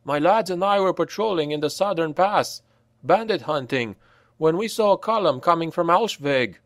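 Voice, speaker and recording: A man's voice: on the high side, animated, moderate pace, dry recording, voice pushed up. A man voicing an eager young male cavalry corporal giving a formal report. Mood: urgent.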